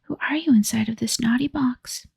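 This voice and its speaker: A woman voicing a curious, tearful young girl in a breathy whispered role-play. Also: on the high side, normal speed, darkish tone, heavily acted.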